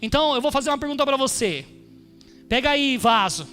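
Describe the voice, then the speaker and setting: A pastor preaching a sermon in a church, emphatic, calling on the congregation with frequent amens. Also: male voice, very high-pitched, lively intonation, brisk, sharp tone, faint music behind. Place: church hall during a service.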